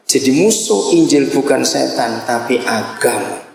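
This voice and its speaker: Lively preaching man in an echoey hall. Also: mid-range voice, a little slow, gravelly, slight background noise. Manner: lively preaching, laughs, rhetorical questions to the congregation. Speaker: pastor. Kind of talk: sermon. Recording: echoey hall, long reverb.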